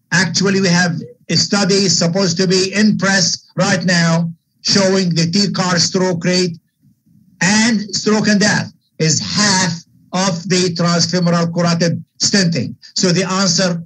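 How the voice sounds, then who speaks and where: Older male surgeon-lecturer, Arab American accent. High, husky voice, emphatic and opinionated in Q&A. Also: fairly bright tone, poor audio. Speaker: guest lecturer, vascular surgeon. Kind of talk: webinar question and answer.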